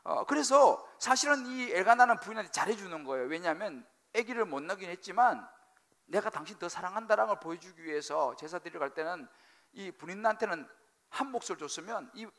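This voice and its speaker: Lively, high-pitched male preacher. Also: brisk. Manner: animated, humorous, acts out quoted dialogue; questions the congregation directly. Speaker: senior pastor. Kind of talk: sermon. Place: church sanctuary.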